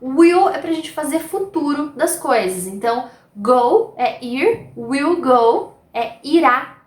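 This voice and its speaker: A woman's voice: sits high, expressive, takes it slowly, reverberant. A Brazilian woman teaching an English grammar lesson, explaining patiently step by step. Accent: Brazilian Portuguese.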